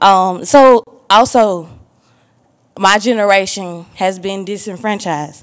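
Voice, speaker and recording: A woman speaks at a very slow pace, with long, frequent pauses and ordinary pitch variation. The background is quiet. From Mississippi Delta. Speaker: community organizer, audience member; audience member. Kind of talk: audience question and comment. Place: hall. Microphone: handheld.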